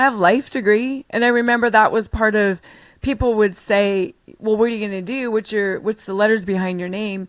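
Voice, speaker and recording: With a plain, everyday voice, a woman speaks at a fairly high pitch and a fairly quick pace with fairly even intonation, recorded very cleanly against a silent background. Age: 60s. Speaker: leadership coach. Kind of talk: interview.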